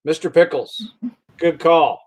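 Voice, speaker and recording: A man's voice: fairly high pitch, measured pace, darkish tone. A man co-hosting a podcast in casual chat, with easygoing, teasing banter. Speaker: podcast co-host.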